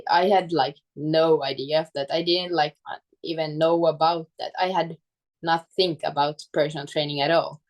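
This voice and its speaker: A woman's voice: deep voice, fairly even intonation, normal speed. A woman from Finland, a native Swedish speaker with a Finland-Swedish accent, talking casually as an interview guest and searching for words in English. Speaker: guest, fitness coach.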